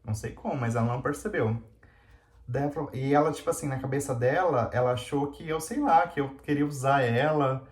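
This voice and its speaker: A man confides a personal story straight to his viewers. He talks in a candid, rambling way, full of fillers, at a middling pitch. The recording has a roomy echo. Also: fairly quick. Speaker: vlogger.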